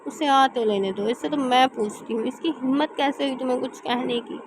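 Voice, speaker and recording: A fiery, blunt young woman, as a woman reading a novel puts her on, sharp-tongued and quick to scold. Her voice sits a little high, and a steady hiss runs under the recording. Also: natural voice. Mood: angry.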